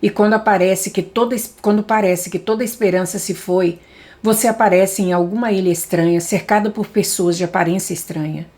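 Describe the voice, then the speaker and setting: A woman's voice: mid-range voice, fairly even intonation, brisk, darkish tone. A Brazilian woman reading a Christian book aloud in the manner of an audiobook. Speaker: audiobook reader.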